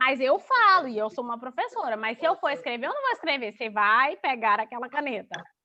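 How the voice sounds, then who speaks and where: The voice is raised and projected, in a Goiás accent. It moves at a fairly quick pace with very wide pitch swings. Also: woman. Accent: Goiás caipira. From Brazil, Goiás. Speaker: primary school teacher. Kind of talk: online class lesson. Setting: video call. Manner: informal, colloquial.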